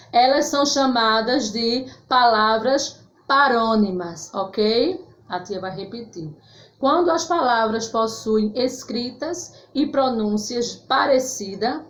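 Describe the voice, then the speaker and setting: A woman teacher gives schoolchildren a grammar lesson in Brazilian Portuguese, speaking slowly in a high voice and spelling out words carefully. She checks in often with "tá certo?" and affectionately calls her pupils "meus amores" (my loves). The echoey room gives a slightly dull sound.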